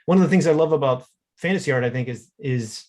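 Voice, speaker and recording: A man's voice: mid-range voice, quick pace, darkish tone. A man artist talking about his work on a panel, hesitant with many fillers. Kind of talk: casual panel talk.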